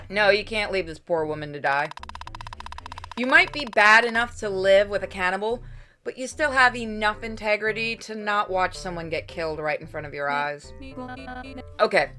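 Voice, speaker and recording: Bright-voiced woman reading a game aloud. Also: medium pitch. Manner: playful, expressive, swears. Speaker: game streamer. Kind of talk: reading game text aloud, reacting casually.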